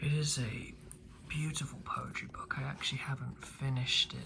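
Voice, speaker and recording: The speaker is whispering in a calm tone. The pace is moderate. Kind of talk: ASMR soft-spoken book commentary. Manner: soft-spoken, calm.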